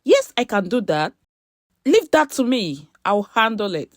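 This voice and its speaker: A woman's voice: fairly high pitch, sing-song, unhurried, no room sound. A shadowy hired killer from a moral tale, cool and businesslike, played by a woman storyteller. The recording is dry and close. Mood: cool, assured.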